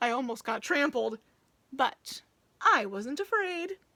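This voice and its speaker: A put-on character voice at a fairly slow pace. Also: woman, high pitch for a woman. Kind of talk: children's Bible story read-aloud. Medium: read story. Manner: boastful about bravery.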